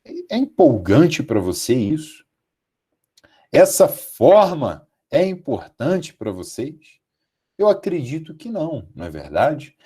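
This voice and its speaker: A man's voice: a little high, very animated, takes it slowly, warm tone, slightly rough. Emphatic Brazilian man lecturing. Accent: Brazilian Portuguese. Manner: emphatic, rhetorical questions to students. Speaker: law professor. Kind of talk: live online lecture.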